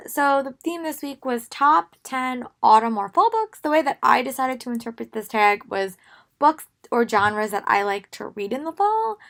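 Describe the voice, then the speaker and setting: A young woman who has lost her voice, sounding hoarse and strained, chatting casually and rambling with many pauses about books she wants to read. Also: a little high, a bit bright. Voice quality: gravelly, strained. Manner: rambling with frequent ums. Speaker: book vlogger. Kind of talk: casual book haul talk.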